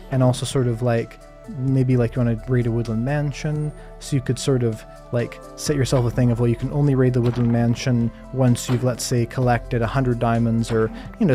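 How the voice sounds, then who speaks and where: A Minecraft streamer, a man with a medium-pitched voice, gives calm, soft-spoken live gameplay commentary. He answers chat questions as he plays, using plenty of hedges and fillers.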